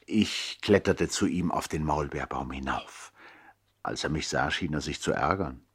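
A man acting as a reflective narrator who recalls his boyhood in a measured, literary 1960s radio play style. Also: extremely low pitch, slightly rough, no room sound, heavily acted. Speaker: narrator and actor.

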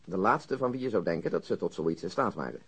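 An actor playing a methodical male police detective in a radio drama, matter-of-fact and measured, as if reciting a report. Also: sits low, animated, fairly bright tone, breathy edge, heavily acted. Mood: dry, factual. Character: methodical, dry police detective with an exact memory.

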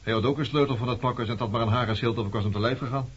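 A man's voice: mid-range voice, steady tone, rapid-fire, husky, lightly acted. An actor in a Dutch radio play playing a sardonic man back from the past, coolly needling and provoking. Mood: accusing. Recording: dull, noisy old radio play recording.

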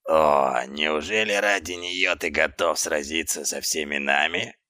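A man voicing a big, menacing male dog who leads a street pack, speaking slowly and quietly. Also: no room sound, clean studio sound, full character voice. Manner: slow, low, quietly menacing. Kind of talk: audiobook character voice.

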